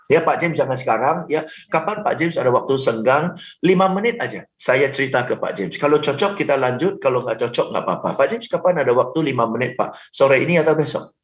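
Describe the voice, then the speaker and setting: A man, a sales trainer, giving advice on a radio talk show, animated, laughing often, acting out phone calls and mixing in English phrases. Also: mid-range voice, roomy sound, highs cut off. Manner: mixes English phrases into speech.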